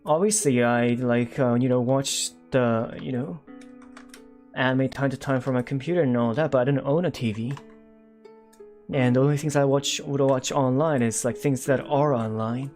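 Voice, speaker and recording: A man's voice: mid-range voice, moderate pace, a little mellow, soft background music. A man in his twenties on a casual livestream, chatting with viewers and reading their comments. He rambles, with many fillers and self-corrections. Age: 20s. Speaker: streamer.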